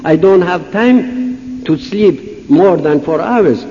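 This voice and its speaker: An older man with a Persian accent telling a humorous story at a conference, acting out the dialogue in an unhurried way. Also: high-pitched, animated, dark tone. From Iran. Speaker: speaker at a conference. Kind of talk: storytelling talk. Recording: muffled hall recording.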